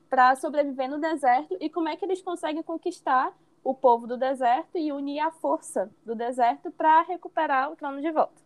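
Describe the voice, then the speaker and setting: A young woman hosting a casual podcast. She laughs easily and sums up plots in a chatty way. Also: high voice. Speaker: podcast host.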